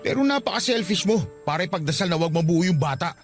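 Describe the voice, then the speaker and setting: Isang lalaking gumaganap sa dramang pag-ibig sa radyo bilang nasaktan at mapait na batang nobyong iniiwan, puno ng panunumbat. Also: male voice, high-pitched, lively intonation, fast, soft background music. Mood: bitter. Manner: wounded, reproachful. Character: hurt, bitter young boyfriend being dumped. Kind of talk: radio romance drama acting.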